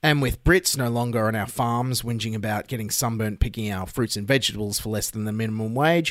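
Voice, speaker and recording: With an Australian accent, a man speaks at a fairly quick pace and a medium pitch. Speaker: comedy podcast host. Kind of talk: casual chat; comedic news commentary.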